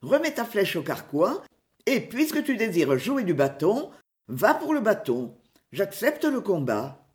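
A woman voicing Robin Hood as a proud, commanding outlaw chief who speaks in a lofty, measured way. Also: mid-range voice, sing-song, darkish tone. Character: proud confident outlaw chief, adult man.

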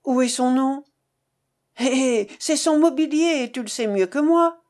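A woman's voice: sits high, a little slow, a little mellow, voice pushed up. A woman voicing an angry young man who bitterly accuses his mistress in a storybook reading. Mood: indignant, accusing. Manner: indignant, cold and cutting.

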